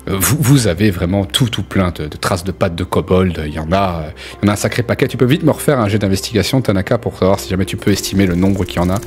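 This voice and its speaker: A man's voice: deep voice, quick pace. A man improvising narration as a tabletop game master, in an informal, colloquial way. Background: background music.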